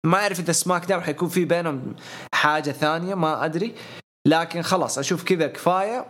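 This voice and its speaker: Fast-talking opinionated man. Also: a little high, fairly bright tone. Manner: talkative, opinionated, runs through lists. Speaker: podcast co-host. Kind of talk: casual podcast chat.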